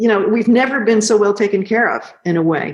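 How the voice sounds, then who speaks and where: With an unremarkable speaking voice, a woman uses lively intonation at a fairly high pitch. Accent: American. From Massachusetts. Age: 60s. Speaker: mosaic artist. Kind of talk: radio interview.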